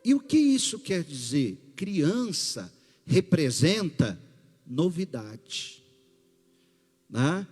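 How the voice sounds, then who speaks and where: A male pastor with a Brazilian Portuguese accent, preaching a sermon in a slow, emphatic way with rising bursts. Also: a little high, very animated, darkish tone, husky. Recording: long hall reverb with faint music.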